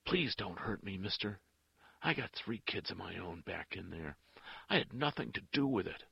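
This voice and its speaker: A man's voice: low voice, expressive, normal speed, vocal fry, breathy edge, no echo, highs cut off, voice pushed up, full character voice. A man voicing a frightened mother who pleads urgently and cries out, in an audiobook. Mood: frightened pleading.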